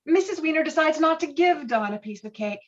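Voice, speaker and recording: A woman's voice: high-pitched, animated, fairly quick, lo-fi sound. A woman reading screenplay stage directions as scripted narration in a virtual table read.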